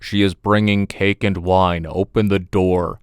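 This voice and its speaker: A hungry storybook wolf, acted out by a man, sly and coaxing. The words come slowly and drawn out with menace, in a very dry, close recording. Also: low-pitched, flat delivery, clear, resonant tone, dry recording. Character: sly hungry male wolf posing as grandmother.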